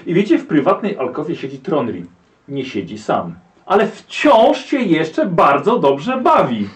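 A man running a tabletop game as game master, narrating scenes in a lively way. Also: a little high, unhurried, recorded from a distance. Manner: lively storytelling, laughs along.

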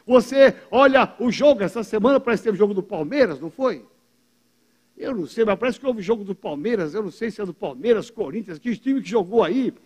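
A man's voice: high voice, animated, fairly quick, husky. A man preaching a sermon in church on a microphone, emphatic and calling out for amens. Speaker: pastor. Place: church service.

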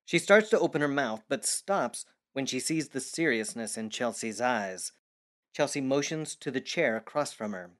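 A male narrator with a medium-pitched voice delivers scripted audio drama narration. He announces and sets scenes as a reader of prepared text. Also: animated, normal speed, fairly bright tone.

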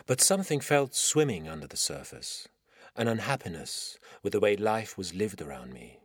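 A middle-aged man with an Iranian accent reading his own literary story in measured, dramatic phrasing. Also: lowish voice, sing-song, slightly rough, no room sound, studio quality. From Iran. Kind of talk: scripted literary narration.

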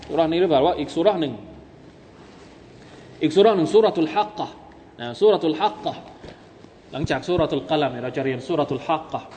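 A man giving a Quran commentary lecture, animated and emphatic, addressing listeners as brothers. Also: high-pitched, in a large hall, slight background noise. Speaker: Islamic teacher.

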